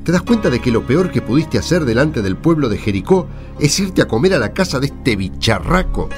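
A man's voice: mid-range voice, sing-song, a little fast, over music. A man with an Argentine accent acting an indignant, hectoring disciple of Jesus in a radio drama. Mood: indignant, scornful. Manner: emphatic, hectoring, insulting. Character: indignant disciple of Jesus, scornful of a tax collector.

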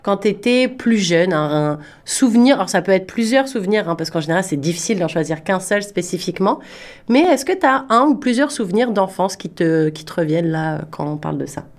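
A woman's voice: mid-range voice, animated, a little fast. A woman with a Parisian French accent hosting a radio interview in an informal, chatty way. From Paris, France.

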